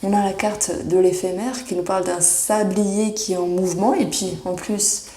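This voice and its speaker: Mellow-voiced woman reading tarot, echoey room. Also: mid-range voice, fairly even intonation, moderate pace. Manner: reassuring, searching for words with frequent fillers. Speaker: tarot reader. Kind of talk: horoscope tarot reading to camera.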